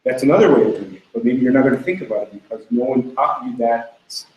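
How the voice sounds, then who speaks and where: A man's voice: medium pitch, quick pace, lo-fi sound. A man in a class speaking spontaneously, thoughtfully arguing a point through examples. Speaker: class participant questioning the teacher. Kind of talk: spontaneous discussion from the audience. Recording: echoey, distant mic with background noise.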